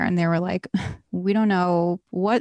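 A woman's normal speaking voice, fairly low in pitch, with fairly even intonation, a dry, close sound without echo, and a quiet background. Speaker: podcast influencer in recovery. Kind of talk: casual interview chat.

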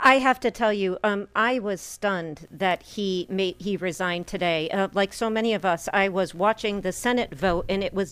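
A woman with a plain, everyday voice and an American accent, medium pitch, ordinary pitch variation, a moderate pace, and hardly any pauses. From New York. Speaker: political commentator. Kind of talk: panel discussion.

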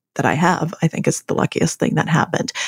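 The voice carries an American accent with a dark, mellow tone and vocal fry. The sound is dry and close, with no echo. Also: woman. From Soviet Union, raised from early childhood in Massachusetts. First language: Russian. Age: 30s. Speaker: author and poker player. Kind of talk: interview.

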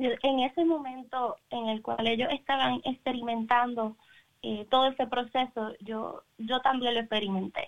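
A woman with a high pitch speaks at a fairly slow pace with fairly even intonation. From Puerto Rico. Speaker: singer and teacher. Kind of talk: interview. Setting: phone call.

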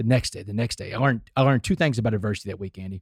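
In a Southeast Texas accent, a man speaks with a dry, close sound and no echo. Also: very clean recording, silent background. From Texas, Port Arthur. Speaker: keynote speaker and author. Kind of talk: casual chat with storytelling. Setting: studio.

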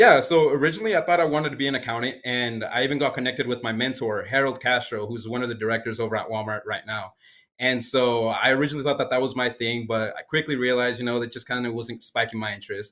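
Hardly pausing, a man speaks at a very fast pace and medium pitch with fairly even intonation. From Arkansas (Springdale). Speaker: university student. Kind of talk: casual interview.

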